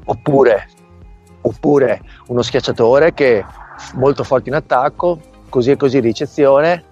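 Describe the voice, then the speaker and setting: A man's voice: medium pitch, a little slow, darkish tone, husky. A middle-aged man, a volleyball coach, speaking over a remote call line in an interview. He explains at length and often checks that the listener has understood. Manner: explanatory, often asks "capito?". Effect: heard over a remote call line. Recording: dull lo-fi call audio, faint music.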